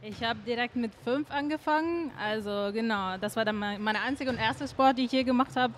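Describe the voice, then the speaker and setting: A young woman from Sardinia speaking German with an Italian accent, answering interview questions in a soft, halting way as a basketball player. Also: on the high side, slight background noise. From Sardinia, Italy. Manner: soft-spoken, halting, often says "genau". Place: indoor studio in front of a sponsor wall. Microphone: handheld mic held out by the interviewer.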